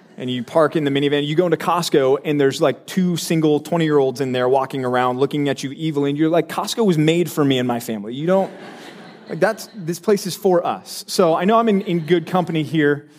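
A man's fairly high voice at a very fast pace, against noticeable background noise. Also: ordinary pitch variation. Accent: American. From Texas. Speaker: pastor. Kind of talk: sermon. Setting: church.

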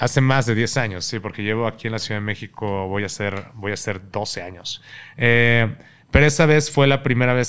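Fairly even intonation from a man on a very clean recording with a silent background. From Chiapas, Mexico (Tuxtla Gutiérrez). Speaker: YouTuber. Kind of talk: casual chat.

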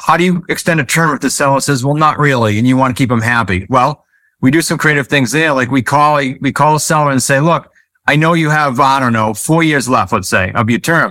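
Speaking with a New England accent, a man with a fairly high pitch talks at a fairly quick pace on a very clean recording with a silent background. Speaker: real estate investor and author. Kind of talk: interview chat. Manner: fast talker.

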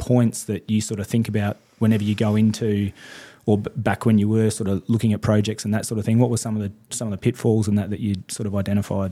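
A man with an Australian accent, a dark, mellow tone and fairly low pitch, at a very fast pace. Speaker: podcast host. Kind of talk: podcast interview.

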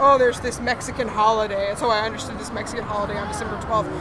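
A woman with a fairly high pitch talks at a very fast pace with fairly even intonation, amid audible room echo and noticeable background noise. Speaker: podcast co-host. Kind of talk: casual chat. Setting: convention floor with crowd.

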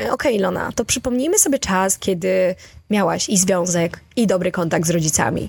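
Lively intonation marks this woman's ordinary speaking voice. She talks at a medium pitch and a fairly quick pace. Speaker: podcaster. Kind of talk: personal monologue.

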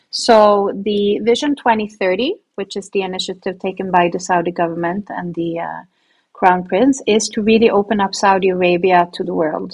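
A woman with a Swedish accent speaks with fairly even intonation. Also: medium pitch for a woman, moderate pace. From Sweden, partly raised in southern Spain. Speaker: hotel guest experience manager. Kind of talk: interview. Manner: halting, many fillers.

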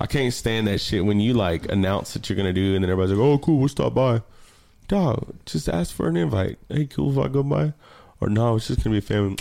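A man with an American accent speaks fairly quickly in a dark, mellow tone, his pitch swinging very widely. The recording is very clean, with a silent background. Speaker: new father. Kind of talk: casual chat.

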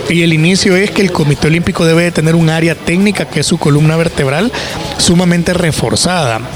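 Noticeable background noise sits behind a man speaking at a high pitch and a fairly quick pace, with ordinary pitch variation and very even loudness. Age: 30s. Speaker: sports official. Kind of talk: radio interview; casual chat. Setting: live broadcast from a restaurant.

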